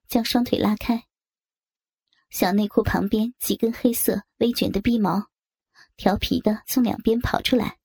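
A woman reads a story aloud in a steady, expressive first-person narration. Her voice sits a little high and has a husky, breathy edge. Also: dry recording.

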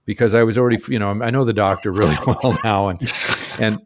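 A man's voice: fairly low pitch, steady tone, quick pace, noisy background. A man co-hosting a casual comedy podcast, telling joking anecdotes. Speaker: podcast co-host.

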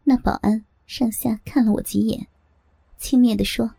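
Female audiobook narrator, husky, gravelly, mellow tone, dry close recording, faint music under. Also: a little high, normal speed, no room sound. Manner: steady first-person storytelling.

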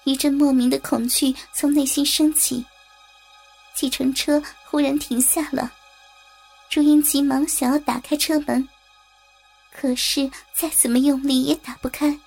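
High-voiced woman narrating a story. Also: measured pace, vocal fry, soft background music. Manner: steady, even storytelling.

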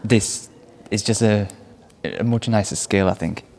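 A man's voice: fairly low pitch, normal speed, creaky, darkish tone, slight background noise. A young man from Hartlepool, co-hosting a student podcast in a friendly, casual way and laughing often. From Hartlepool, England. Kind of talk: casual chat, scripted intro.

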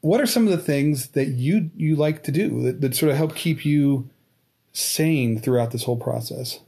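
A man's voice: fairly high pitch, normal speed, vocal fry, warm tone, slightly rough. Hesitant forty-year-old man hosting. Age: 40s. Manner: hesitant, many restarts and fillers. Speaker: podcast host. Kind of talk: casual interview chat.

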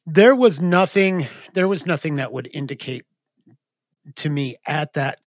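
A man's voice: on the high side, a little slow, dry recording, clean studio sound. A man co-hosting a podcast discussion, asking curious follow-up questions. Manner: inquisitive, asks follow-up questions.

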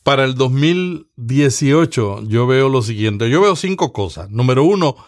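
A man from Latin America hosts a podcast conversation at a mid pitch. He explains at length in a measured, steady way, often restarting a phrase before finishing it. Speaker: podcast host.

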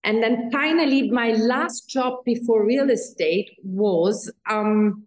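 Italian woman with a German accent, echoey room. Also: a little high. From Italy. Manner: enthusiastic, fillers and restarts. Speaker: real estate agent. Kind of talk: interview guest.

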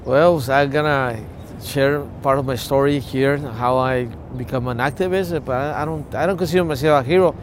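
Halting man. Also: mid-range voice, noisy background. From Mexico-California border region. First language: Spanish. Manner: halting, with many restarts and repeated words. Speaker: activist guest. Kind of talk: personal storytelling in conversation.

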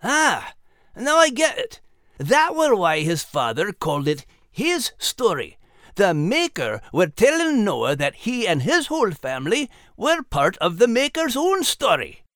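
A man's voice: high voice, huge pitch swings, unhurried, fairly bright tone, dry recording, clean studio sound, voice pushed up, exaggerated voice. A man voicing a friendly, earnest dog with a folksy Scottish accent, hosting a children's animal story. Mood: earnest, delighted. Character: friendly, plain-spoken male Scottish dog. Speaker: podcast host character.

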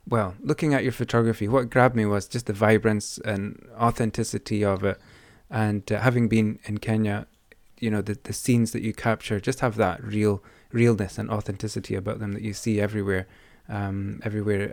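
Low-voiced man hosting a podcast. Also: fairly even intonation, brisk, vocal fry, hardly any pauses, darkish tone, no echo. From United Kingdom. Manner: friendly, hesitant, many fillers. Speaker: podcast host. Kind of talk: casual interview.

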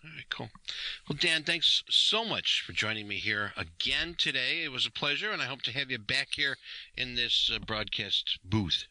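A man hosting a podcast in a casual chat, halting at times and repeating phrases for emphasis. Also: mid-range voice, lively intonation, bright, forceful tone, no echo, rough recording. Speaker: trading podcast host.

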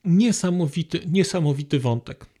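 A man's voice: on the high side, moderate pace, dark tone. A man reviewing a novel, talking about it with enthusiasm and with hesitant fillers, then reading passages aloud. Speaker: book reviewer. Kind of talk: book talk with reading aloud.

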